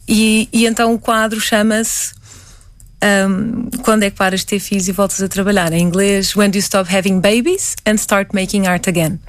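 A woman's voice: mid-range voice, no room sound. A woman from Portugal with a European Portuguese accent, a painter answering interview questions reflectively, often restarting her words.

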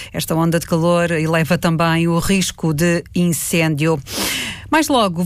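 A man reading radio news in a studio, measured, with the odd filler. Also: high voice, no echo. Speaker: news anchor. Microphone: studio mic.

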